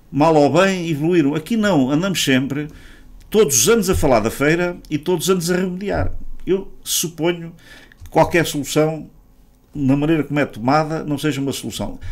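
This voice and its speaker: The speaker has a normal speaking voice. The pace is moderate, with ordinary pitch variation. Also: man, fairly high pitch for a man. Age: 60s. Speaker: regular radio commentator. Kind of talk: radio debate discussion.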